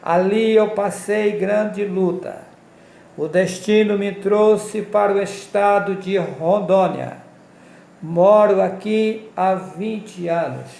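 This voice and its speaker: Slow solemn man telling his life story, deliberate pace, gravelly tone. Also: high voice, darkish tone, reverberant. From Minas Gerais, Brazil. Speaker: testimony speaker. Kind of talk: personal life testimony.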